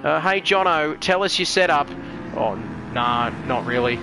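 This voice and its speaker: A chatty man calls a racing live stream, cracking jokes and reading out viewer comments. His voice sits high for a man. A steady noisy hiss runs under the recording. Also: a little slow. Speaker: race commentator.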